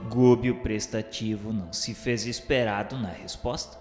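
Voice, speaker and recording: A man with a Brazilian accent reads a scripted radio novela narration in a formal, measured, didactic way. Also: fairly low pitch, fairly even intonation, a little mellow. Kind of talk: scripted dramatized narration, solemn literary reading. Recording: echoey hall reverb, music underneath. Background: music.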